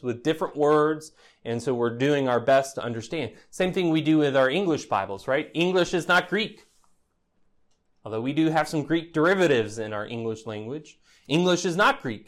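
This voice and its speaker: A pastor preaches an expository sermon in a mid-range voice, teaching conversationally. He keeps throwing rhetorical "right?" questions at the congregation, with a bit of dry, teasing humor.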